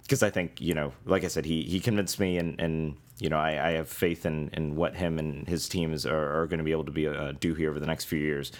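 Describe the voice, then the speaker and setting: A man with a hoarse voice hosting a casual tech podcast, talking in halting bursts full of fillers and restarts. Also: sits low. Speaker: podcast host.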